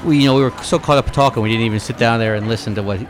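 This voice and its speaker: A man hosting a podcast, chatting casually in a jokey, animated way. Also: medium pitch, rapid-fire, over music. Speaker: podcast host. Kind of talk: casual chat.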